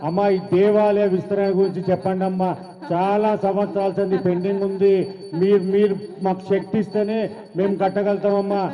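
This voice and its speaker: A man's voice: sits high, level tone, a little fast. A man with a Telangana accent pleads deferentially and repetitively as a devotee petitioning an oracle. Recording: dull sound in reverberant space.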